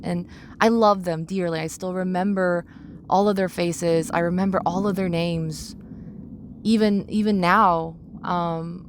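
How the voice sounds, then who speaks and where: A young adult woman talking through personal reflections as a podcast host, halting and searching for words as she repeats phrases. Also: medium pitch, a little hiss or hum.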